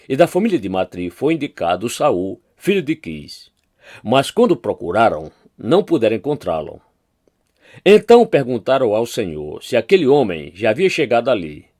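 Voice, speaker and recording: Man, Brazilian Portuguese accent, pastor reading the Bible, lively intonation, dry close sound. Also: medium pitch, no room sound. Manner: expressive reading, lifts voice for quoted speech.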